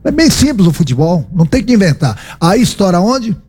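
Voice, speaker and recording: A man's voice: high-pitched, sing-song, brisk, darkish tone, slightly rough. A Brazilian man, a football coach answering reporters at a press conference, emphatic and repeating his points with rhetorical questions. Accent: Brazilian Portuguese.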